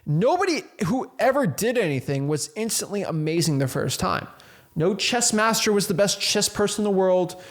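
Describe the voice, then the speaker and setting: A young man with a notably high voice gives an energetic motivational talk to camera. His speech is casual and slangy, with frequent repeats and restarts as he coaches real estate wholesalers. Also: normal speed.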